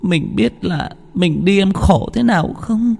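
Man putting on a high sobbing young wife. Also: a little slow, gravelly, slightly rough, exaggerated voice. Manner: high, soft, sobbing, trailing. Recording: long hall reverb, faint music.

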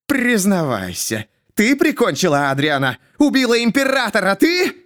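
A crazed storybook jester, acted by a man, cocky and unpredictable. He hisses and jumps into sudden high shouts, his pitch swinging widely. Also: big pitch swings, moderate pace. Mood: hissing. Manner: jumpy, hissing, bursts into shouts. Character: mad male jester, erratic, hissing, shouting.

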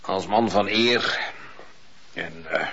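A man's voice: deep voice, slow, bright, forceful tone, slightly rough, exaggerated voice. An actor playing a troubled judge who speaks earnestly and defends his honour in a radio play. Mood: confiding. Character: troubled male judge, proud man of honour. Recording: dull old radio recording.

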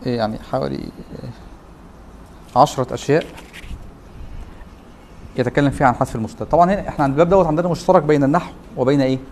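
A man's voice: medium pitch, racing, pauses often, darkish tone, a little hiss or hum. A man with an Egyptian Arabic accent giving a classroom lecture, who keeps asking rhetorical questions to prompt his students. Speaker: teacher.

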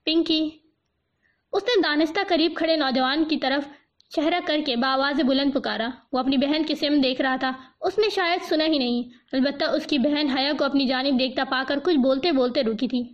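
A woman narrating a novel as an audiobook in a steady, expressive reading voice, on a dull lo-fi recording. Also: high-pitched.

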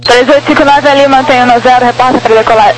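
Fast, high-voiced Brazilian woman on tower radio. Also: steady tone, a crowd in the background, low-quality recording. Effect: two-way radio transmission. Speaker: airport tower controller. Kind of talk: brisk procedural aviation radio instructions. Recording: radio channel with faint noise.

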